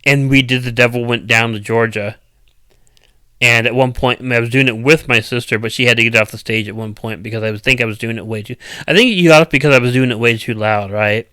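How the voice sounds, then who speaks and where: Loud rambling man chatting with viewers. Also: mid-range voice, fairly quick, clean tone, no echo. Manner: rambling, loud, uneven cadence, many restarts. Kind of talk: casual live chat.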